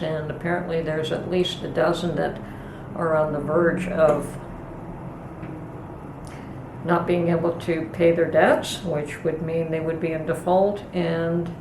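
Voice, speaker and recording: Middle-aged woman with a low, gravelly voice, chatting slow and calm in her kitchen, echoey and a bit noisy. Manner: calm, unhurried, thoughtful with pauses. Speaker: homestead channel host. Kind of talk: casual kitchen vlog chat. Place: home kitchen. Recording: echoey room with noticeable background noise.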